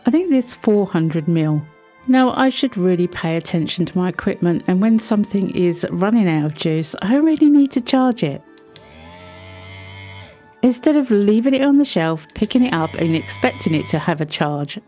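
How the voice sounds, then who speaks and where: A woman with a cold, sounding croaky, chatting her way through a craft tutorial voice-over with friendly little asides. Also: mid-range voice, expressive, normal speed, mellow, faint music behind. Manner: chatty, self-deprecating asides. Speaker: resin craft video host.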